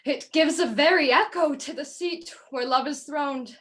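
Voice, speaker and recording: A woman's voice: sits high, moderate pace, fairly bright tone. Woman as young page boy, Shakespearean stage acting, guarded, wistful, secretly lovelorn, home video-call sound.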